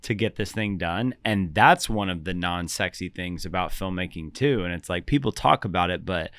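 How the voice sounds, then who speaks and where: A man co-hosting a casual podcast chat, relaxed and quick to laugh. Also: low-pitched, no echo. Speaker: podcast co-host.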